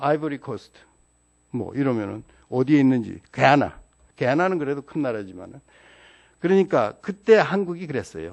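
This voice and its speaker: Pitched fairly high, a man talks at a moderate pace with very wide pitch swings. Long pauses come often. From South Korea. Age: 70s. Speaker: professor. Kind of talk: lecture.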